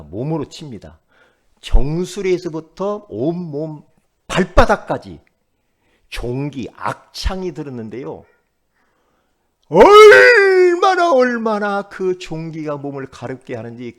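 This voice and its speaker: A middle-aged male pastor delivers a sermon, his voice sitting high and leaping across a very wide pitch range. He swings between booming exclamations and low, muttered asides as he preaches.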